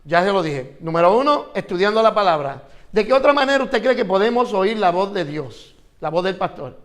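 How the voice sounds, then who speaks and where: A man's voice: sits high, big pitch swings, brisk, a bit bright. A man teaching an interactive Bible class, asking his students questions and repeating phrases for emphasis.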